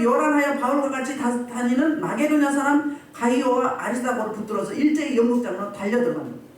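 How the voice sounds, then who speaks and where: A woman pastor delivers a sermon at a healing service, her pitch swinging widely as she acts out shouting crowds. She is heard from a distance, and her voice rings around a very reverberant room with faint noise underneath. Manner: animated, acts out crowds and quotes. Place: church meeting room. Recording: echoey hall, distant mic.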